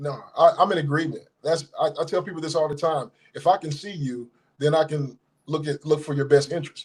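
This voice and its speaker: A normal speaking voice from a man with an American accent, fairly high in pitch, fairly even in intonation and fairly quick in pace. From US South. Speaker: community organizer. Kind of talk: casual interview chat.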